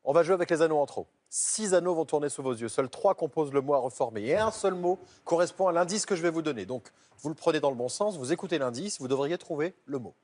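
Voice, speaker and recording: A man's voice: on the high side, expressive, fast talker, few pauses, darkish tone. A man hosting a TV quiz, presenting rules and scores to the players in a studio. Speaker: game show host. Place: TV game show studio. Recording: studio audience and music behind voice.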